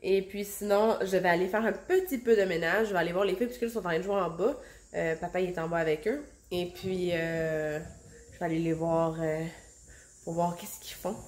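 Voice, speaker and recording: A woman's voice: on the low side, fairly even intonation, fairly quick, a little mellow. A woman in her thirties with a Québécois French accent, chatting casually to her phone at home. She has a cold, so she sounds nasal and stuffed up, and she rambles with lots of fillers. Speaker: vlogger, stay-at-home mom. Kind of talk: casual chat to camera. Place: home, indoors. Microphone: handheld phone.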